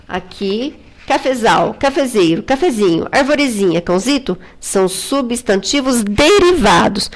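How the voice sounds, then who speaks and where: Brazilian woman, schoolteacher recording a lesson; patient, checks in with students constantly. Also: mid-range voice. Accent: Brazilian Portuguese. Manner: explains patiently, asks questions and answers them herself; checks in often with "tá?" and "tudo bem?". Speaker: teacher.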